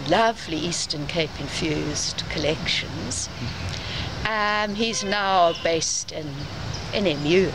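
Older woman, lowish voice, noisy outdoors. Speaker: interviewed writer and academic. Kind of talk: reflective conversational interview. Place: outdoors in a courtyard beside a building. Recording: noisy outdoor recording, urban traffic ambience.

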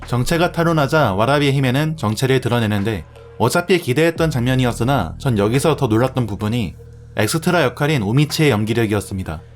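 A man's voice: medium pitch, lively intonation, quick pace. Male anime reviewer narrating over music.

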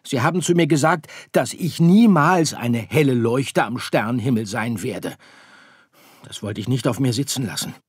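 A man's voice: mid-range voice, normal speed, husky, no echo, clean studio sound, voice pushed up, lightly acted. A man voicing a stubborn, whiny little boy star in an audiobook, pouting and complaining. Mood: tearful. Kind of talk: audiobook character voice.

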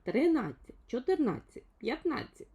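Storybook little man, played by a woman: pompous, blunt, high and loud, very animated delivery. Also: moderate pace, breathy edge, highs cut off, full character voice. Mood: counting intently. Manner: loud, exclamatory, self-important.

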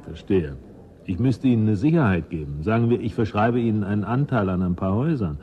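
An actor playing a shrewd, easygoing black-market dealer with a sly, matter-of-fact manner in a German radio drama. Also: male voice, on the low side, animated, a little fast, lo-fi sound, slight background noise, natural voice. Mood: shrewd, interested.

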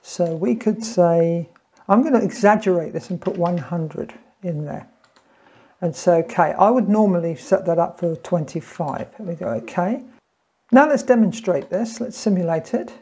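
A man's voice: high voice, normal speed, a little mellow, husky. A man in his fifties giving an informal, plain-spoken step-by-step tutorial in a small room at home. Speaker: tutorial presenter. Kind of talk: informal step-by-step instructional talk.

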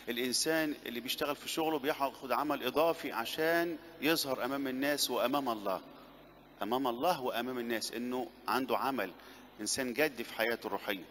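An Egyptian priest preaches to his congregation in a mid-pitched voice, answering his own rhetorical questions and repeating key phrases. The church adds a long reverb tail, and faint noise sits under the sound. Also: fast, a bit bright. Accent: Egyptian Arabic. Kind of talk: sermon.

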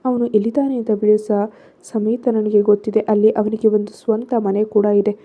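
A steady, caring uncle soothes and promises to help, voiced by a woman narrator. His words come softly and evenly over a thin, phone-like recording. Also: medium pitch, normal speed, natural voice. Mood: reassuring. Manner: gentle, reassuring. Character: kind, steady older uncle, reassuring. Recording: phone-like narrow sound.

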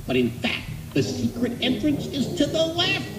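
A man playing an eager, nervous toy dinosaur in an animated film, explaining things in earnest excitement. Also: very high voice, moderate pace, exaggerated voice. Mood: eager, anxious. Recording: echoey soundtrack under loud music.

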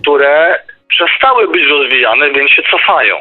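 Man on a tinny phone line, higher-pitched. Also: lively intonation, a little slow, a crowd in the background. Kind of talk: casual debate and musing. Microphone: phone or internet call. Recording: tinny phone line, faint music behind.

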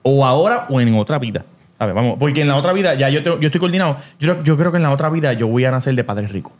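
A man's voice: medium pitch, lively intonation, fast talker. A man in his forties with a Puerto Rican accent, hosting a casual family podcast and joking, leaning on a constant "you know?". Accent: Puerto Rican Spanish. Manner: joking, repeats "¿sabes?" constantly. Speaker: podcast host.

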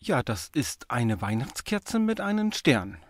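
Awkward middle-aged father, played by a man, very animated. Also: mid-range voice, measured pace, no room sound. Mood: awkward, casual. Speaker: voice actor in an audio drama. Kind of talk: naturalistic German radio drama acting.

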